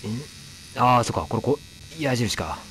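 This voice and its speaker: A man's voice: medium pitch, expressive, a little slow, fairly bright tone. A man giving casual let's play commentary, chatting to the game and its characters as he plays. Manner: chatty, talks back at the game, apologizes for noise.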